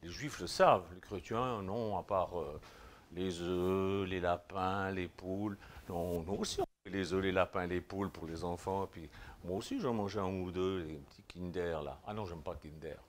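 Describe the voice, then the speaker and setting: A man with a Swiss French accent preaching a sermon, exhorting listeners directly with informal address, swinging between loud declarations and quiet asides. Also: sits low, moderate pace, slight background noise. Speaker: pastor.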